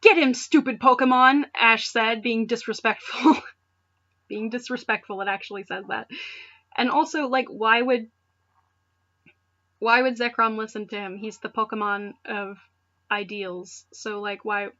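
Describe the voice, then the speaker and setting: A woman's voice: fairly high pitch, steady tone, unhurried, pauses often, sharp tone, dull audio. A woman reading fan fiction aloud in a mocking dramatic style, breaking off for casual, sarcastic asides. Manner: sarcastic, conversational, breaks off to comment. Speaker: reader of amateur fan fiction for videos.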